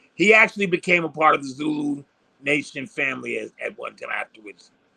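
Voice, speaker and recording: A man with a New York accent, big swings in loudness and a dry, close sound with no echo. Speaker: hip hop pioneer and actor. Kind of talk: interview.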